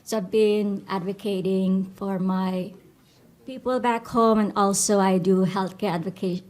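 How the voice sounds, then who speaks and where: A woman's voice: mid-range voice, steady tone, a little slow, a little mellow, rough recording. A young woman from Bangladesh giving an upbeat award acceptance speech in eager run-on clauses. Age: young adult. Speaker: award recipient and health policy analyst.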